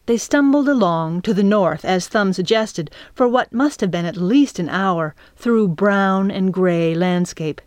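A woman narrating a children's chapter book in a calm, measured reading. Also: medium pitch, dry recording. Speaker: audiobook narrator. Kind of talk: scripted narration.

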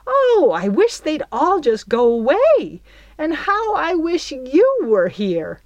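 A woman voicing a proud, bitter aging female fairy who talks high, huffy and plaintive. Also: very animated, unhurried, dry recording, dull audio. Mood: wailing.

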